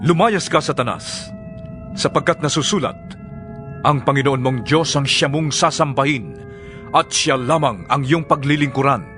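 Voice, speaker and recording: A man's voice: mid-range voice, moderate pace, natural voice. An actor with a Filipino accent playing a resolute holy male teacher, firm and declarative, in a dramatized audio Bible. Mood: commanding. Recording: music under the voice.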